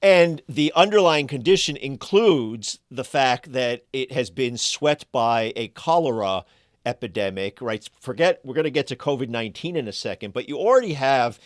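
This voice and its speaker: A man's voice: mid-range voice, animated, normal speed, dry recording. Impassioned male podcast host, dry sound. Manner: impassioned, emphatic. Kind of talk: political commentary and interview.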